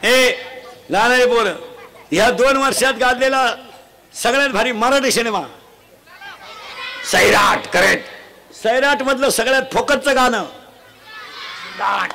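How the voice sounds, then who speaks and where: High-pitched folksy preacher, crowd around him. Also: male voice, a little slow, gravelly, long pauses. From Maharashtra. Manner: folksy, scolding, quizzes the crowd for shouted answers. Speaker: kirtan preacher. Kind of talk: comic devotional sermon. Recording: live event with a loud crowd. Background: crowd responding and laughing.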